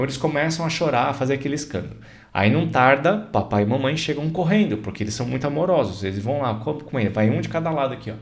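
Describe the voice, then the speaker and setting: A man with a Brazilian Portuguese accent, an astrologer explaining ideas in a casual, conversational way and often checking that the listener follows. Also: a little high. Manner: conversational, repeats examples, checks in with "certo?" and "tá?".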